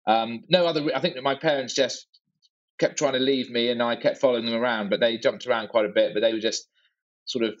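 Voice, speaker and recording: A man's voice: medium pitch, steady tone, quick pace, dull audio. A man in his forties, born in Hong Kong, answering interview questions with dry, self-deprecating humor and lots of hesitant fillers. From born in Hong Kong, raised abroad. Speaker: guest, startup founder. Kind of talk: conversational interview.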